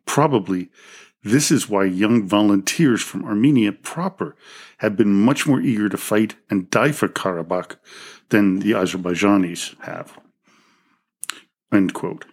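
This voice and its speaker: A man reads out a scripted history narration for his podcast in a fairly low, steady voice. Now and then he trips on a word and corrects himself before moving on. He sounds close to a podcast mic. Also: unhurried, husky. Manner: reads from a script with small slips and self-corrections. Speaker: podcast host.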